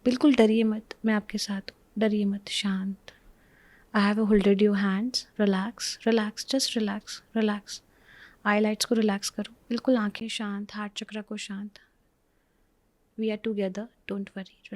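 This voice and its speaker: A woman with an Indian accent leads a guided relaxation in a soothing, repetitive, reassuring way, with a breathy voice that often drops to a whisper. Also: medium pitch, darkish tone, no room sound. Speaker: spiritual healer leading a guided relaxation. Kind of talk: guided meditation, hypnotic instruction.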